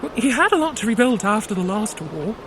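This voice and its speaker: A woman's voice: mid-range voice, very animated, fairly quick, slight background noise, natural voice. An actress playing a cautious, gossiping giant palace servant woman in an audio drama, guarded and confiding. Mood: wary, confiding.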